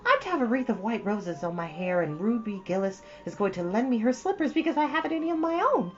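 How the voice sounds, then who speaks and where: A woman's voice: a little high, sing-song, quick pace, highs cut off, soft background music, voice pushed up. A woman voicing an eager, dramatic young girl from a storybook, gushing breathlessly and theatrically. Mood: chattering, excited. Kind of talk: storybook character voice.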